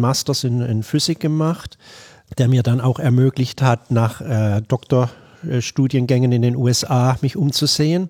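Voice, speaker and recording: A man speaks at a moderate pace and medium pitch with a dark, mellow tone and fairly even intonation, in a dry, close sound with no echo. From northern Baden-Württemberg, Germany. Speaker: astrophysicist. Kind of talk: interview. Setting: in person on Tenerife.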